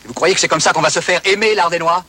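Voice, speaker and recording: A man's voice: high voice, fast, pushed and bright, slight background noise. A man playing an indignant, pompous general in a film comedy, scolding and commanding.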